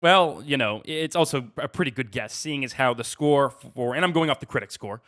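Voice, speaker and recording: A man's voice: mid-range voice, a little fast, a bit bright. A man speaking casually as a podcast co-host, presenting a quiz game to his friends.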